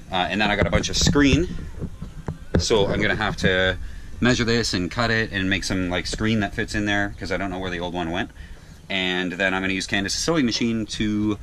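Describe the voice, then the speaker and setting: A relaxed man in his thirties talks through his boat repairs in a loose, joking way. His voice sits very low, close to a handheld camera. Loud wind and rumble roar over the track. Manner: relaxed, joking, many ums and uhs. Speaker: vlog host, liveaboard sailor. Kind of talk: casual how-to vlog narration. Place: sailboat at a marina, cabin and deck. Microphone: handheld action camera close to the face. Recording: loud wind and handling noise.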